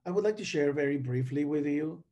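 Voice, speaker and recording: A middle-aged man from the Dominican Republic giving an online conference talk over a video call, speaking haltingly with many fillers and restarts. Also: fairly high pitch, mellow, dull audio. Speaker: conference panelist.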